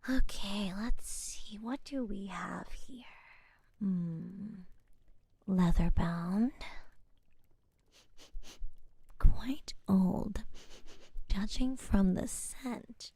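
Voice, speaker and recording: A woman playing a wry, curious forest witch in a soft-spoken ASMR fantasy roleplay, musing and gently teasing in a breathy half-whisper. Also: medium pitch, dry recording, exaggerated voice. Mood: intrigued. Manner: unhurried, hushed, musing, politely teasing. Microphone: close-up ASMR microphone.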